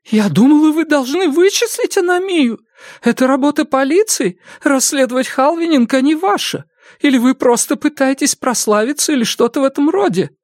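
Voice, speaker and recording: A man's voice: very high-pitched, animated, normal speed, no echo, studio quality, voice pushed up. A man voicing a frightened young woman in an audiobook, pleading in a choked, sobbing voice. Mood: defiant. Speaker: audiobook narrator voicing a character.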